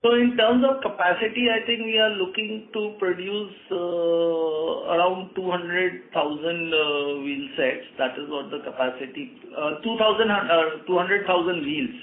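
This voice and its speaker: Company executive, male, Indian accent. Measured, hesitant earnings-call answers over a thin, echoing telephone line. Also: high voice. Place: conference call by phone. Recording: roomy echo, narrow phone line.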